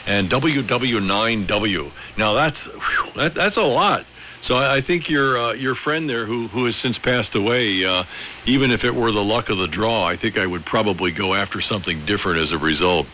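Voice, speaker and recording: A man's voice: lowish voice, normal speed, muffled recording. A man chatting unscripted as an amateur radio operator, musing and discursive, feeling his way through sentences. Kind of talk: unscripted ham radio conversation. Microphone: radio transmitter audio heard over the air. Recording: hissy, band-limited AM radio transmission.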